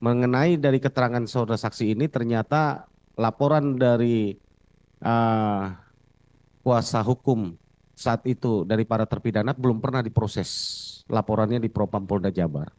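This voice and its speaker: A man's voice: mid-range voice, moderate pace, pauses often, a little mellow, no echo, rough recording. An Indonesian man, a lawyer formally questioning a witness in court, methodical and pressing for clarification.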